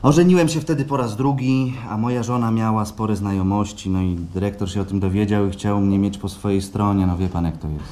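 An actor playing an anxious office worker in a live radio play, halting and apologetic, often repeating himself. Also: male voice, fairly low pitch, steady tone, warm tone, close to an everyday voice. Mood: apologetic, resigned. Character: anxious, hesitant male office worker turned patient. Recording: live stage recording with background noise.

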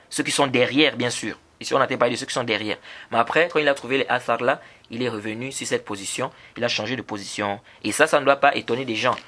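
A man's voice: medium pitch, a bit bright. A man teaching a religious lesson on prayer, who asks rhetorical questions and answers them himself and recites hadith in Arabic between his French explanations. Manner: interjects approving Arabic words between points. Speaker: Islamic teacher.

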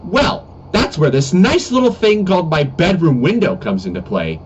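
Excitable, defiant animated schoolboy, played by a man, whiny and swooping, dull cheap-mic sound with faint noise. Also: fairly high pitch, normal speed. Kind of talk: amateur comedy animation voice-over. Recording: muffled, noisy cheap webcam mic.

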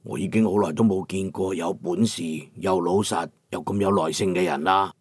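A man voicing a calm, wise older male craftsman in his fifties who speaks gently, over soft music. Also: low voice, husky, dry recording, studio quality, pitched below the performer's own voice. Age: 50s. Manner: gentle, unhurried.

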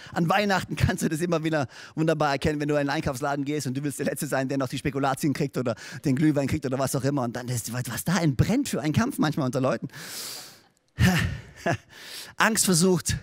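A middle-aged man, preaching a sermon in an animated storytelling manner and often checking in with his listeners. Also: a little high, fairly quick, dry recording. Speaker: pastor.

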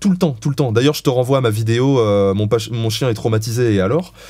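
A man with a medium-pitched, dark voice talks quickly as an interview guest offering dog-training advice. He explains things frankly and bluntly, swearing casually, and there's no room sound in the recording.

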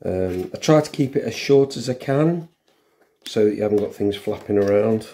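A middle-aged man giving a casual hands-on tutorial, halting and thinking aloud as he works in a room at home. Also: fairly low pitch, lively intonation, warm tone. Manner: halting, unscripted, thinking aloud while working. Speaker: vlogger demonstrating a helmet intercom fitting.

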